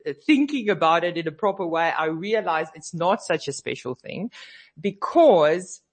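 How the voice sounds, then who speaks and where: A woman's voice: lowish voice, expressive, moderate pace. A woman hosting a radio show, chatting casually and a bit sleepy, her voice slightly scratchy from a cold. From South Africa. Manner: chatty, sleepy, laughs easily. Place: radio studio.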